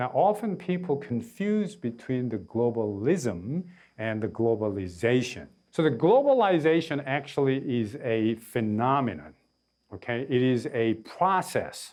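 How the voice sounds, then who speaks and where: A man speaks with a Korean accent at a fairly slow pace. His pitch swings very widely. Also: medium pitch for a man. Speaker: lecturer. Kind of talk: lecture. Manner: halting.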